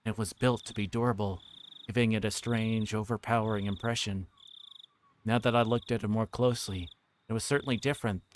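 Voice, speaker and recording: A man with a lowish voice reads a visual novel aloud on a livestream, talking a little fast with fairly even intonation. He narrates and does character voices, stumbling over words now and then. The background is clearly noisy, with clicks.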